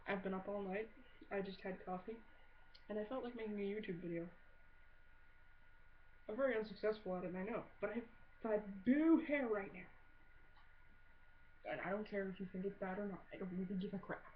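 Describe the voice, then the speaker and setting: A woman rambles casually to her video audience with blunt, sarcastic humor and plenty of swearing. Her pitch sits in the middle for a woman. The recording is dull and muffled, with noticeable noise behind her. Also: a little fast, pauses often. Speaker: amateur video blogger. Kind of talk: casual comedic rambling monologue. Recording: muffled audio with clear background noise.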